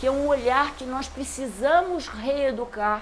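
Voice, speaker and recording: Here a woman speaks with a high pitch. Room echo is audible. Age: 60s. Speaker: spiritist lecturer. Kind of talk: lecture. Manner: halting.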